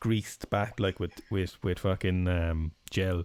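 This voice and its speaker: In a very clean recording with a silent background and a dry, close sound with no echo, a man with an Irish accent speaks at a very deep, low pitch. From Ireland. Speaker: podcast co-host, strength coach. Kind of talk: casual chat, travel storytelling. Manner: animated.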